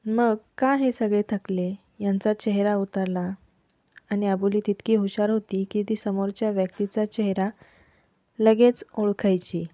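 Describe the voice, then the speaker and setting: A woman reads a family drama story aloud at a steady pace, changing her delivery for each character. The sound is dry and close, with a dull, lo-fi tone. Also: mid-range voice, unhurried, dry recording. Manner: steady expressive reading, voicing each character herself. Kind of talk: reading a self-written serial story.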